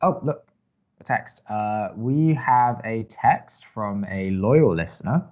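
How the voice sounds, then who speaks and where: A man acting as a young college radio co-host, dry, skeptical and sarcastic, with halting delivery in an audio drama. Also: fairly low pitch, expressive, darkish tone, highs cut off, soft background music. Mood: awkward, flustered. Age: young adult. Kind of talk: naturalistic audio drama banter.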